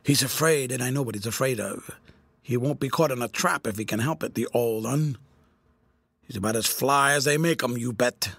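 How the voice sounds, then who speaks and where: A man voicing a rough, blunt old ex-soldier turned beggar who whines and wheedles. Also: medium pitch, normal speed, a bit bright, no room sound. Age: older. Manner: rough, blunt talk turning to whining begging.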